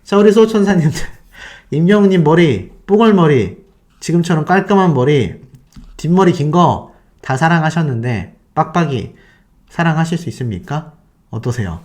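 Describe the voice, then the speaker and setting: A man hosting a fan channel, excitedly retelling events and throwing rhetorical questions at his viewers. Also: fairly high pitch, moderate pace. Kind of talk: animated storytelling to viewers.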